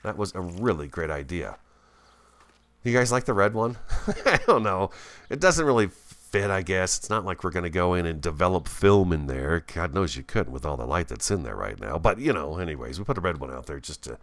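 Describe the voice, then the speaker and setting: Deep-voiced, animated man with a swollen tongue. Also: fairly quick. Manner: chatty, thinks aloud, easily excited. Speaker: gaming video host. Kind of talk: casual gameplay commentary.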